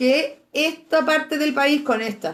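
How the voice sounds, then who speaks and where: Animated in tone, a woman with a Chilean accent talks with lively intonation. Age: 40s. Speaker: dance teacher and live streamer. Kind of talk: live stream chat with viewers.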